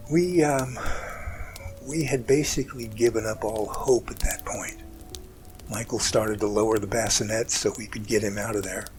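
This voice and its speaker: A man playing an emotional rescuer in an amateur audio drama, recounting events in an earnest, halting, dramatic way. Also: lowish voice, fairly even intonation, darkish tone, natural voice. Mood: distraught, tearful. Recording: music bed under the voice.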